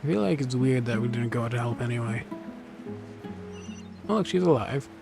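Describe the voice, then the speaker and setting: A man's voice: mid-range voice, animated, fairly quick, creaky. A man giving casual, sarcastic game commentary as host of a gaming video. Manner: joking, sarcastic. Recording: game music behind the voice.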